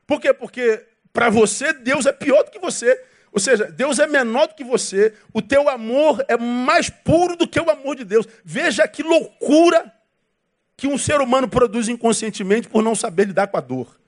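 A male pastor with a Brazilian Portuguese accent, preaching a sermon in a lively way and acting out quoted voices with humor. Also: very high voice, normal speed.

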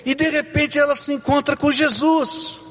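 A male pastor preaching a sermon, with dramatic swings between loud emphasis and hushed, slow moments. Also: very high voice, little pitch movement, long reverb tail.

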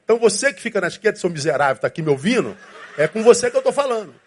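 A pastor preaches a sermon in an animated, playful way. His voice sits a bit high for a man, and he slips into little acted-out voices to make his points. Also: very fast, slightly rough. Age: 50s.

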